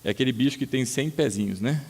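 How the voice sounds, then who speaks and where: A man with a Brazilian Portuguese accent preaching a sermon as pastor, telling stories with sudden loud acted-out outbursts and calling his listeners brother. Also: mid-range voice, fast talker, slightly rough. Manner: addresses the congregation as brother.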